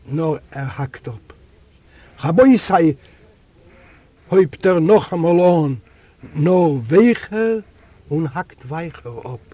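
An older man, a native Yiddish speaker, reads a literary story aloud at an unhurried pace. His voice sits high yet sounds mellow, and he tells the story dramatically, often dropping suddenly into softer passages. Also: no echo. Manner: slow, dramatic storytelling with sudden soft drops. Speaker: reader of a literary recording. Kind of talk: literary reading.

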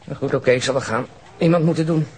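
An actor playing a sober, weary police detective in a radio crime drama, terse and subdued. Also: male voice, medium pitch, quick pace, darkish tone, a little hiss or hum, natural voice, poor audio. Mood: reluctant, grumbling. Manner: terse, matter-of-fact, subdued.

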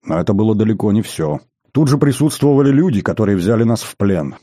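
A man reading a first-person novel aloud in a steady, measured way. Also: on the low side, no echo, studio quality. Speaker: audiobook narrator. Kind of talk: first-person audiobook narration.

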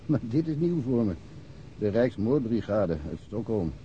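An actor playing a talkative, folksy middle-aged provincial police inspector in a naturalistic radio drama. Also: male voice, fairly low pitch, big pitch swings, a little slow, warm tone. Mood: chatty, impressed. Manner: talkative, colloquial, self-deprecating. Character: chatty, folksy provincial Swedish police inspector, long-serving local. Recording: muffled, noisy radio drama recording.

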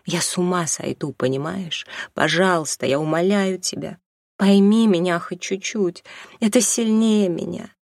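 A reader voicing a desperate mother torn by a new love, pleading in a husky, high, breaking voice. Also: moderate pace, no echo, studio quality. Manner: pleading, tearful, rising to high anguished pitch. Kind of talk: audiobook reading.

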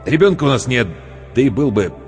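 A man voicing a gruff army major who barks orders. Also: medium pitch, animated, brisk, voice pushed up, lightly acted. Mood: sighing. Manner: barking orders, shouting. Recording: long reverb with faint music.

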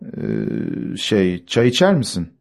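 A man reading an audiobook, voicing a bitter, anxious poor man who shouts at his servant and stammers when flustered. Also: low voice, big pitch swings, takes it slowly, gravelly, full character voice.

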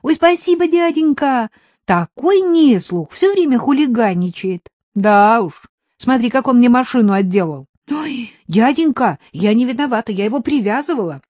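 A woman voicing a scrappy, loud village girl who squabbles and yells in a storybook reading. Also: lively intonation, normal speed, dry recording. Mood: shrill squabbling. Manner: shrill, squabbling, cheeky.

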